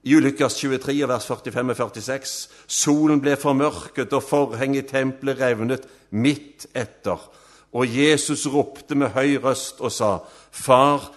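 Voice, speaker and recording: A man preaching a sermon, emphatic, rising to loud swells and dropping to soft, low endings.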